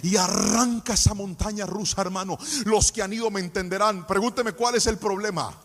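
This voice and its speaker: A man's voice: sits high, a little fast, fairly bright tone. A man preaching a sermon, passionate and storytelling, often singing out his phrases.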